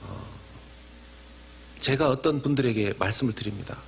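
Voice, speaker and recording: A man preaching a Sunday sermon as senior pastor, acting out short imagined dialogues in a quieter voice and climbing sharply in pitch and loudness for emphasis. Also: normal speed, slight background noise.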